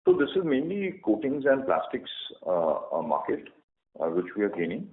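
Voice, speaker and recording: A man with an Indian accent answering as a company executive on an earnings call, halting and hesitant as he explains. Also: lowish voice, huge pitch swings, a little hiss or hum. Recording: echoey, muffled conference phone line.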